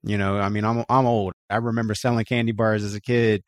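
Male guest from Florida, lowish voice, relaxed rambling storyteller, dry sound. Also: fairly quick, no echo. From Florida, USA. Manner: relaxed, frequent "you know" and "right?". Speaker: guest, co-founder of a voting rights group. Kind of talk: casual personal storytelling.

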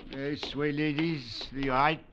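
A murmuring, obliging French hotel porter, spoken a little away from the mic. Thick hiss and clicks sit over the muffled old radio recording. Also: male voice, a little high, fairly even intonation, slow. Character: deferential male hotel porter. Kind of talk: 1940s radio acting. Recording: hissy old radio broadcast, heard from off-mic.

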